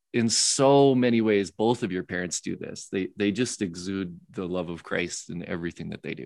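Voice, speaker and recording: An ordinary speaking voice at a moderate pace. There are hardly any pauses. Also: man, fairly low pitch for a man, ordinary pitch variation. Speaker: pastor and podcast host. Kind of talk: casual interview chat. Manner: laughs often, warm and conversational.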